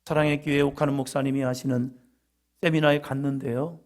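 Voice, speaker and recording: A middle-aged man preaching a sermon, telling stories with humorous asides and breaking into loud emphasis on key words. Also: mid-range voice, flat delivery, a little fast. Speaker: pastor.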